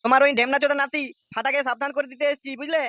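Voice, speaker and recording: Actor doing a fast, blustering cartoon tough guy. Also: high voice, flat delivery, pushed and bright, no room sound. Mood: menacing, warning. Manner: threatening, hectoring. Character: blustering, menacing local tough, angry father in comedy cartoon. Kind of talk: comic cartoon dialogue.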